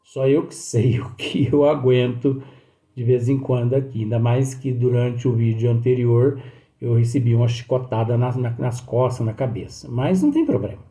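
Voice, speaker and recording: A man with a Brazilian Portuguese accent who teaches in a slow study talk, reading passages aloud and explaining them again with many fillers. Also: mid-range voice, warm tone, echoey room. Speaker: spiritist teacher.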